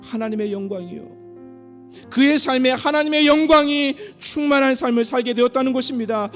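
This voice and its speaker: Pastor, male, high-pitched, earnest fervent prayer delivery, faint guitar underneath. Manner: earnest, fervent praying with rising intensity. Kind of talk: sermon and closing prayer. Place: church sanctuary.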